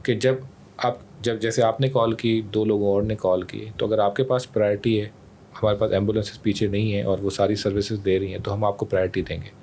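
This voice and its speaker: A man's voice: lowish voice, level tone, fairly quick, darkish tone, rough recording. A man with a Pakistani accent explaining his emergency service as a podcast guest, mixing English phrases into his talk. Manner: mixes in English words and phrases. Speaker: emergency rescue service official, interview guest. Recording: clear background noise.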